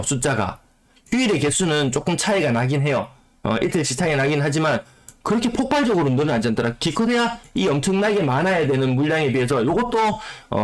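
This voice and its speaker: A man whose voice is rough from a cold, explaining housing market figures and repeating key phrases for emphasis. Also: on the high side. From South Korea. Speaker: real estate YouTuber. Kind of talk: data commentary on the housing market.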